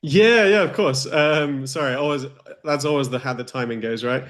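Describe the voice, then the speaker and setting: A man's voice: medium pitch, moderate pace, fairly bright tone. A man moderating a livestream design panel over a video call, upbeat and friendly.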